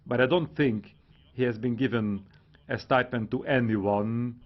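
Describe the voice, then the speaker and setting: Man, English, insistent debate reply, muffled sound. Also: mid-range voice. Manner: defensive, insistent, slightly halting. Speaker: Hungarian government representative. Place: parliament chamber.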